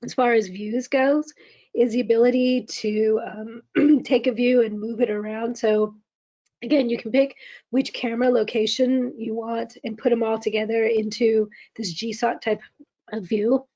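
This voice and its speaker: A woman presenting a software demo in a webinar, halting with many ums, her voice going hoarse as she keeps clearing her throat. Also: fairly high pitch, steady tone, no echo. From California. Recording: dull, lo-fi webinar audio.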